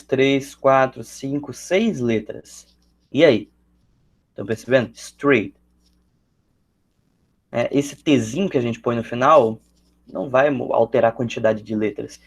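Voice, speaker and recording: A man teaching an English lesson, explaining step by step and thinking aloud with frequent fillers. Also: medium pitch. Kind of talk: classroom lesson explaining grammar.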